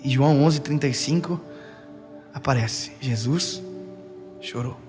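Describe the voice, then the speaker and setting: A young Brazilian man preaching a sermon, swinging from loud urging to hushed, slow words. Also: medium pitch, music in the background.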